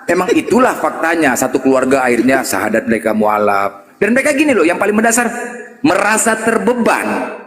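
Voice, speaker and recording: A man spins a story in a high, very lively voice, teasing his listener and mimicking the voices of the people he quotes. His talk swoops up and down constantly. The recording rings with the long reverb of an echoey room. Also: brisk. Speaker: Muslim apologist debater. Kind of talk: animated storytelling in a debate chat.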